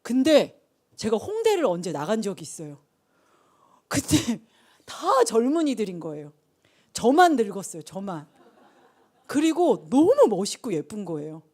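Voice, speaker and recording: A middle-aged woman preacher giving a conversational sermon, telling the story with lively asides. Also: mid-range voice, a little slow, pauses often.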